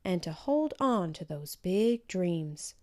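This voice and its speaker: A woman's voice: fairly low pitch, big pitch swings, slow pace, darkish tone. A woman voicing an encouraging, white-haired old lady in a storybook.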